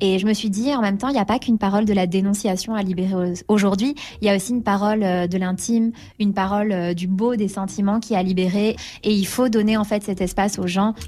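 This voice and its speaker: A somewhat breathy woman talks at a fairly quick pace in a medium pitch with monotone, flat intonation. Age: 20s. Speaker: author and former book editor. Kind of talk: recorded interview.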